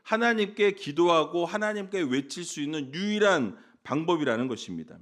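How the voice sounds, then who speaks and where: A male pastor preaching with a fairly high, very animated voice that climbs and falls through rhetorical questions. He teases a drowsy congregation and lets out sudden loud shouts for emphasis. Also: normal speed. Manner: jokes with a sleepy congregation. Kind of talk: sermon.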